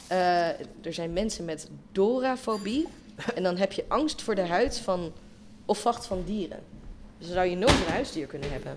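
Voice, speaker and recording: Over noticeable background noise, a woman with a medium pitch speaks fairly slowly with lively intonation. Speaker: youth centre volunteer. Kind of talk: casual chat.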